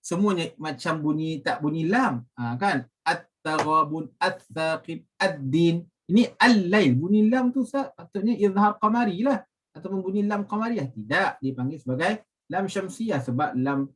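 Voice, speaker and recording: A Malaysian man teaching Quran recitation rules, explaining with many fillers and reciting the words slowly and carefully. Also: a little high, distant mic. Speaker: religious teacher.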